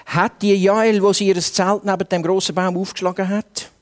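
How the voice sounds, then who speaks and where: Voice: mid-range voice, level tone, normal speed. A preacher with a Swiss German accent, delivering a sermon with earnest rhetorical questions addressed straight to the listeners.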